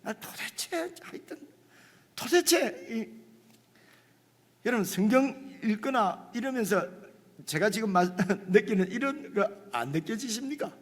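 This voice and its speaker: Husky animated pastor in echoing church. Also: male voice, sits high, unhurried. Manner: animated, conversational preaching with rhetorical asides to the congregation. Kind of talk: sermon. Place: church sanctuary. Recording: long church reverb.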